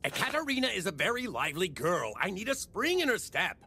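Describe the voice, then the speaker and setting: An actress voicing a middle-aged, picky, eccentric sound effects artist in an anime dub, talking in a bossy, playful way. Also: female voice, mid-range voice, sing-song, fairly quick, bright, forceful tone, slightly rough, heavily acted. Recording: music playing under the voice.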